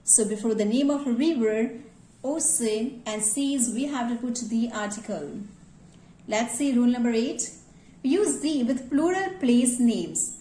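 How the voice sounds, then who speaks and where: A woman's voice: a little high, measured pace, warm tone, echoey room, poor audio. A woman teaching grammar to schoolchildren, often checking in with "yes" and calling on the students. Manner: addresses students directly, repeats "yes" as a check. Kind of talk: classroom grammar lesson.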